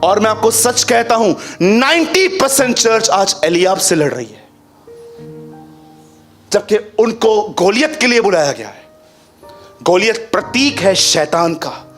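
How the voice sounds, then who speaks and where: A man preaching a sermon as pastor. He keeps asking the congregation rhetorical questions, mixes English phrases into his speech and swings between a raised voice and a low one. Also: very animated, measured pace, pauses often, fairly bright tone, soft background music.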